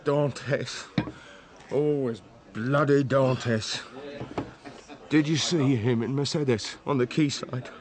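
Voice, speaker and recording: An actor playing a lovesick, jealous young fisherman who is quick to anger, in a radio drama. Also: medium pitch, close to an everyday voice. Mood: bitter.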